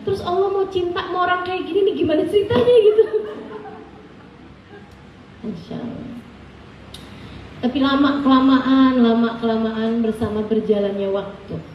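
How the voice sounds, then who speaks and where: A high-pitched middle-aged woman preaching and telling a personal story, lively and quick to laugh. Her voice sounds a little off the microphone, in an echoey room with a faint background hum. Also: muffled recording. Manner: animated, laughs often while telling anecdotes. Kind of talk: storytelling sermon. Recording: echoey room, distant mic, faint ambience.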